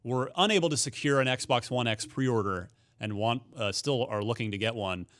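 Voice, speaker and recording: A man's voice: mid-range voice, normal speed, a bit bright. A man hosting a conversational gaming show, talking in a chatty, opinionated way. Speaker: podcast host.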